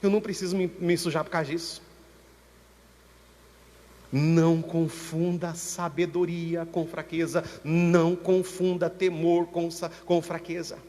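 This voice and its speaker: A Brazilian man with a Brazilian Portuguese accent, preaching a sermon as pastor at a church service with impassioned, slow, emphatic repetition. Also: a little high, flat delivery, dark tone. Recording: church reverb with long echo tail.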